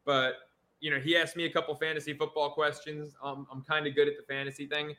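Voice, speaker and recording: A man co-hosting a casual sports podcast, excitable and jokey. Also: a little high, quick pace. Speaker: podcast co-host.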